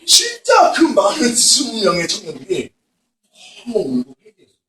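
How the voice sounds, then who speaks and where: 남자 목사가 학생들에게 생생한 이야기를 섞어 가며 부흥회 설교를 하고, 중간중간 힘주어 외치듯 강조합니다. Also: male voice, sits high, normal speed. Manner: animated storytelling with emphatic outbursts. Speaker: pastor. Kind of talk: revival sermon to students. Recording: echoey hall from far off.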